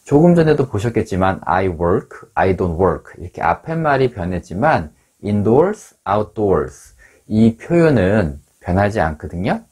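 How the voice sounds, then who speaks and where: A man teaching an English lesson in Korean, patiently drilling short phrases and repeating each one slowly. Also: fairly low pitch, big pitch swings, darkish tone, husky.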